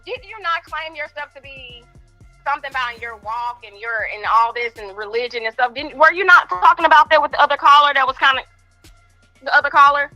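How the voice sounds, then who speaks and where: A woman's voice: sits high, a little fast, bright, forceful tone, soft background music, poor audio. A woman in her forties calling in over the phone, arguing her point with insistence in a heated call-in debate. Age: 40s. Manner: insistent, argumentative. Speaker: caller.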